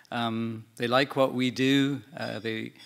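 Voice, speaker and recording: In an Irish accent, a man speaks with a medium pitch and monotone, flat intonation on a very clean recording with a silent background. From Ireland, Dublin. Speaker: geriatric psychiatrist. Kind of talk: conference presentation.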